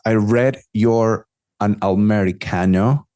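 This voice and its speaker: Lower-voiced male podcast host, affirming interviewer, dry close sound. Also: steady tone, takes it slowly, warm tone, dry recording. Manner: affirming, asks long framing questions. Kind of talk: casual interview.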